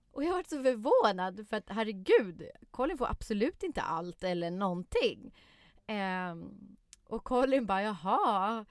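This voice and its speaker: A woman tells a family anecdote in relaxed conversation, animated and chatty with frequent hesitations. Her voice is mid-pitched and recorded close on a microphone. The sound is dry and intimate. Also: gravelly, dry recording. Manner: lively storyteller, many fillers and restarts, acts out quotes. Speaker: podcast guest. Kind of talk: casual storytelling chat.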